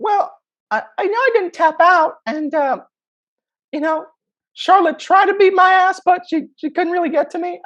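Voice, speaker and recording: Putting on a squeaky character voice at an extremely high pitch, a man talks at a moderate pace with long, frequent pauses. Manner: comic.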